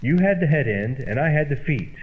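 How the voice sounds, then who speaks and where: A man playing an exasperated, bossy flatmate in an old-time radio comedy, sarcastic and blustering. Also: fairly high pitch, a little fast, natural voice. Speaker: comedy double-act performer. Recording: dull old-time radio sound, faint hiss.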